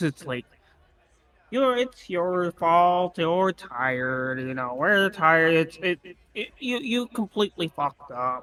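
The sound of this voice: Putting on a whiny character voice, a man speaks at a high pitch and a fairly slow pace, with a whiny tone.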